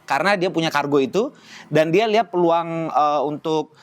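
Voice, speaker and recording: A young man born in Spain and raised in Bali, speaking Indonesian with a Medan-style accent, telling his story in an animated, slangy way as a podcast guest. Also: a little high, normal speed. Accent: Indonesian with a Medan-style lilt. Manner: animated, slangy, jumps into voices and sung bits. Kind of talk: casual storytelling chat.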